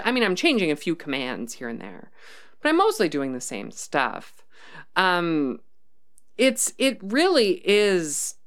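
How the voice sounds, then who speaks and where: Host woman, low clear voice, rambling live chat, thinks aloud. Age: adult, worked as a developer. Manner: thinking aloud, frequent ums and restarts. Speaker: livestream host reading chat. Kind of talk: casual rambling livestream chat.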